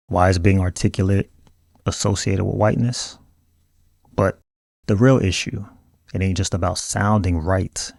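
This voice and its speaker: A low-voiced man with an African American accent hosts a video essay. His delivery is earnest and colloquial, with gravelly fry, recorded close and dry. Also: a little mellow, no echo. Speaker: video host. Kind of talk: scripted video essay commentary.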